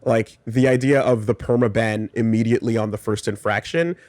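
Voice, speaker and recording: A man speaking as a guest on a casual panel discussion, in a measured and thoughtful way with frequent pauses. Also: lowish voice, fairly even intonation, darkish tone, no room sound.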